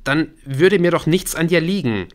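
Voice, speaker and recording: A man's voice: a little high, animated, moderate pace, voice pushed up, natural voice. Man playing an anxious young boyfriend, voice raised. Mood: pleading. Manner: earnest, urgent, defensive.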